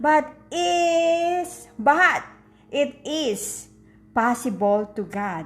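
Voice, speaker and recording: A woman with a Filipino accent, a high pitch and lively intonation. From Philippines. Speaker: vlogger and faith speaker. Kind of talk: casual vlog chat; inspirational religious talk. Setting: in a car.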